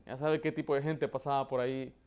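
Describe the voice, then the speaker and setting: A man, a pastor, preaching a sermon with emphatic rhetorical questions that build to loud, impassioned emphasis. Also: mid-range voice, little pitch movement, a little fast, clean tone.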